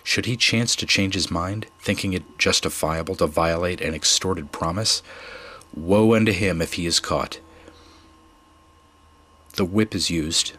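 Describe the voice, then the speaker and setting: Very deep-voiced man reading an audiobook. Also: a little slow, pauses often, a bit bright, slight background noise. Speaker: audiobook reader. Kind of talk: audiobook narration.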